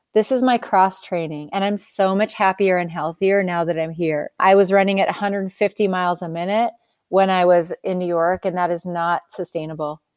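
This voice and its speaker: A woman with an American accent speaks in an ordinary speaking voice at a moderate pace, with fairly even intonation and hardly any pauses. The recording is very clean and dry, close with no echo, against a silent background. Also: medium pitch for a woman. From US Midwest, Iowa. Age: 40s. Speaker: yoga teacher. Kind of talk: casual chat.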